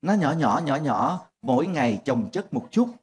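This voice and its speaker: An older man, a pastor, preaching a lively sermon and acting out family squabbles in voices. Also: mid-range voice, normal speed.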